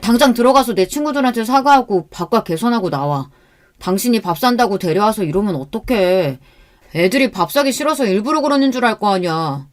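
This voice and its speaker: A woman's voice: medium pitch, lively intonation, a little fast, close to an everyday voice. Woman voicing a whiny defensive young husband. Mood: irritated.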